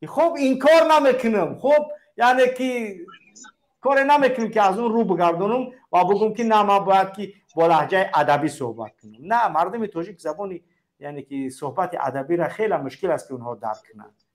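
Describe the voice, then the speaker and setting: A man with a Tajik accent hosts a political call-in show, preaching emphatically in a high-pitched, animated voice. He keeps repeating himself, stacking up parallel phrases.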